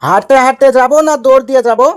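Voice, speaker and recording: Woman voicing a high-pitched, pestering cartoon husband. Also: rapid-fire, smooth, lightly acted. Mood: pestering, loud. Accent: Rajshahi Bengali. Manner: innocently questioning, persistent. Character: maddeningly literal, pestering cartoon husband, cheerfully obtuse. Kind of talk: comic cartoon dialogue.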